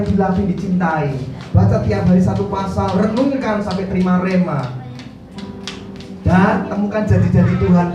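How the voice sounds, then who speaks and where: A man preaching a sermon to a congregation, lively and direct, sometimes acting out quoted voices. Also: a little high. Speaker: pastor. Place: church hall. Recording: roomy church hall from a distance with music.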